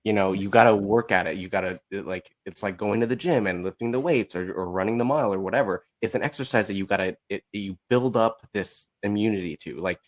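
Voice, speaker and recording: Low-voiced American man chatting as a guest. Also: brisk, hardly any pauses. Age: 30s. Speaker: podcast guest. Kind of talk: casual conversational talk.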